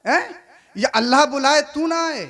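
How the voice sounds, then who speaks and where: A male preacher giving a sermon, swinging between shouted exhortation and quiet, conversational asides, often asking the crowd questions. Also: extremely high pitch, moderate pace. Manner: keeps asking the audience questions. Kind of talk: sermon at a religious gathering.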